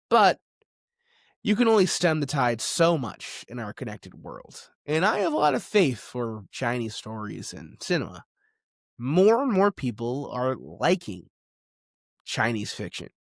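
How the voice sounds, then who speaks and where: A man's voice: mid-range voice, dry recording, studio quality. A man delivering opinionated video essay commentary in a conversational, insistent way, with informal asides. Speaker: commentator on film and animation.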